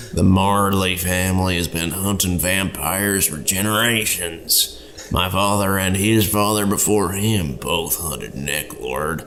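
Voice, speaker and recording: Over clear background noise, a man does a put-on character voice with a very deep, low pitch, talking at a fairly slow pace with hardly any pauses. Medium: actual play. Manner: serious, determined.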